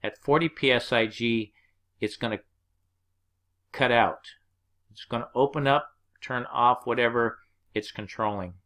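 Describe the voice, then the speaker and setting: A man's voice: medium pitch, a little slow, pauses often, sharp tone. A man teaching an HVAC course over slides, walking through the numbers one step at a time. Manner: plain, explanatory, walks through numbers step by step. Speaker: HVAC instructor.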